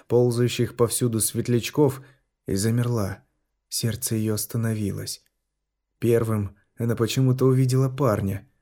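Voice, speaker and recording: Dark-voiced man narrating a story. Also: medium pitch. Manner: measured, tense storytelling. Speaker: audiobook narrator.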